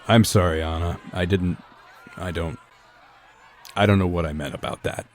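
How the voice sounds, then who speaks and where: A man's voice: sits low, fairly even intonation, slow, slight background noise. An actor playing a wry, protective male researcher in a golden-age style radio drama.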